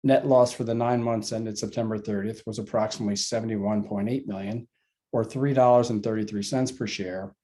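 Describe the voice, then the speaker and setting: A man with a dark, mellow voice delivers a scripted financial report. He is formal and methodical, reading out figures in the manner of a finance executive on an earnings call. His pitch sits a little low.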